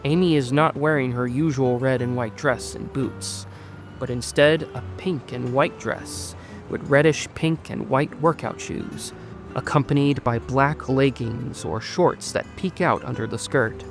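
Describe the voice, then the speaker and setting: A man's voice: mid-range voice, unhurried, gravelly. A man reading scripted third-person story narration for an audio drama. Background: music under the voice.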